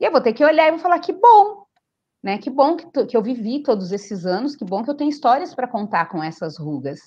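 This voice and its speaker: A woman speaks at a fairly quick pace with a high pitch and very wide pitch swings. Her tone is dark and mellow, and the background is quiet. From Piracicaba, São Paulo state, Brazil; São Paulo state, Brazil. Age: 40s. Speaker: nutritionist; guest. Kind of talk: interview conversation. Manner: halting, frequent repetitions. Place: home room. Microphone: video call.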